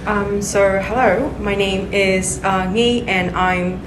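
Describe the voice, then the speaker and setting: A woman's voice: mid-range voice, fairly even intonation, slow pace, reverberant, background noise. A young woman from Vietnam, an exchange student, earnestly listing her reasons for studying abroad. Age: young adult. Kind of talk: casual interview answers.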